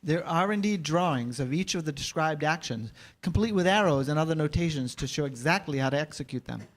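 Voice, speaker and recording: A man serves as narrator at a staged reading, reading scripted action lines. His voice sits a little high for a man. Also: lively intonation, fairly quick.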